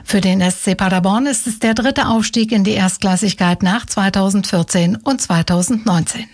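A woman reading the radio news in a measured, neutral tone. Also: medium pitch, a little mellow. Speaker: newsreader.

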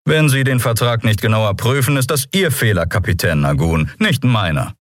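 A man voicing a smug, cold male businessman who talks in a condescending, smooth way. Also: on the low side, big pitch swings, moderate pace, no room sound, clean studio sound, pitched above the performer's own voice.

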